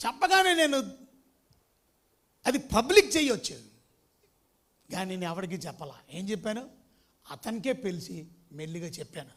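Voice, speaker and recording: A male preacher with a strikingly high, bright voice delivers an emphatic sermon. He keeps firing questions at the congregation and slips English phrases into his speech. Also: big pitch swings, moderate pace, pauses often. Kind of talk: Telugu sermon.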